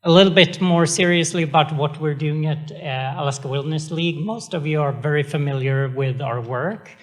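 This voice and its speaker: A man's voice: fairly high pitch, moderate pace. Swedish-accented man giving an event speech. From Sweden. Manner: chatty, self-deprecating, many fillers. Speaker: executive director.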